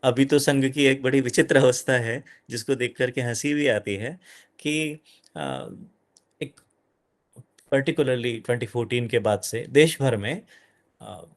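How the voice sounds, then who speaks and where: A middle-aged man giving an animated lecture to an audience as a guest speaker, dropping in English phrases. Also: medium pitch, a little slow.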